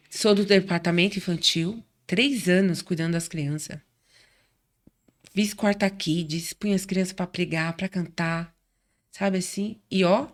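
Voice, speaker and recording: A middle-aged woman from Brazil telling her faith story in casual chat, acting out quoted voices as she goes. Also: fairly low pitch. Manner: warm chatty storyteller, acts out quoted voices. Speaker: guest.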